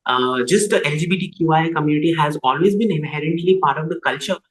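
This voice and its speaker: A young trans woman raised in Dubai tells her personal story as a TV interview guest, speaking reflectively with frequent pauses and restarts. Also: deep voice, roomy sound, rough recording. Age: young adult. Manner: reflective, thoughtful, often pauses and restarts, many "like" and "you know". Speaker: guest, trans writer and content creator.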